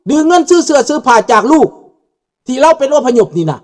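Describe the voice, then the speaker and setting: A man's voice: extremely high pitch, very animated, fast. An older man giving a fiery political talk, mixing Thai and Lao and often asking the audience questions. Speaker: political commentator. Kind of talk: impassioned political monologue. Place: abroad, outside Laos.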